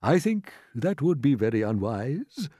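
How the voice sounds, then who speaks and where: A man reading aloud, voicing an old, wise male grasshopper with a measured, fatherly manner. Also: mid-range voice, big pitch swings, dark tone, husky, no echo, studio quality. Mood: firm.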